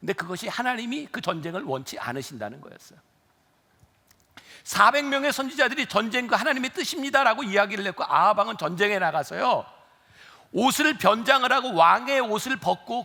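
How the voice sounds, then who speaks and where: With a bright, sharp tone, a man uses a raised, projected voice that is high-pitched, with very wide pitch swings and big swings in loudness. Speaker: pastor. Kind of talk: sermon. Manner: fast.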